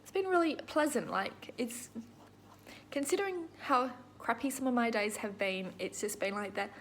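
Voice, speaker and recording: A woman's voice: a little high, animated, normal speed, fairly bright tone, slight background noise. A middle-aged Australian woman hosting a crafting video, chatting casually to viewers in an informal, rambling, self-deprecating way.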